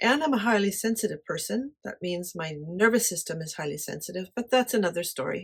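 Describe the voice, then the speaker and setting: A soft-spoken woman with a somewhat breathy voice at a medium pitch speaks with lively intonation. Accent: Canadian. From Canada. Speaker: artist and vlogger. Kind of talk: casual vlog talk. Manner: conversational with fillers.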